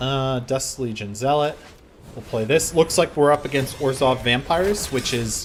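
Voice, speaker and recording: A man talks quietly at a moderate pace. His pitch is medium, with ordinary variation. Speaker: gaming youtuber. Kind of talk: gameplay commentary. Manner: casual with filler words.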